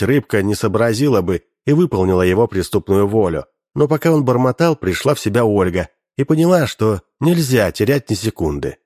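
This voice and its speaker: Male audiobook narrator, wry, animated pitch, dry studio sound. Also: no room sound. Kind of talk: expressive scripted story narration.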